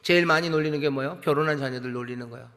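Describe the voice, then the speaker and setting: Middle-aged pastor guy preaching, kinda high voice, big echoey church hall, hammers his points over and over. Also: very fast, a bit bright. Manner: emphatic, repeats key phrases, asks the congregation questions. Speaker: senior pastor. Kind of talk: sermon. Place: large church sanctuary. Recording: long reverb of a large church sanctuary.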